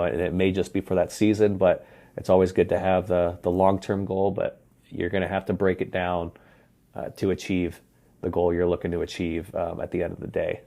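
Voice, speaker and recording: A young man talks through his hockey podcast in a deep, even voice that barely rises or falls. His tone is dark and mellow. He rambles casually and fills pauses with ums and you knows. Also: gravelly. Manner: relaxed, rambling, many fillers. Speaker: hockey coach and podcast host. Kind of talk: casual solo podcast talk.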